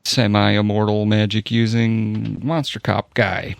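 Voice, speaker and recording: A man's voice: on the low side, little pitch movement, takes it slowly, creaky, clear, resonant tone, no room sound. A man bantering casually as a tabletop game player, loose, joking and happy to swear. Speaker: podcast player.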